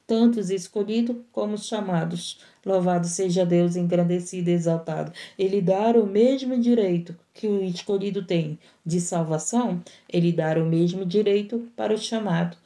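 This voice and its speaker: A woman's voice: on the low side, dark tone. A woman missionary preaching a sermon on a live stream, repeating her points and calling out praise. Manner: repetitive, exclamatory preaching with acted complaints.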